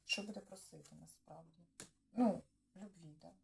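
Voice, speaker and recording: A woman's voice: lowish voice, moderate pace, gravelly, darkish tone, a little hiss or hum. A woman with a Ukrainian accent doing a casual tarot reading on the news, musing aloud to the cards and her viewers and trailing off mid-thought. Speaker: tarot reader. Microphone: clip-on or desk microphone.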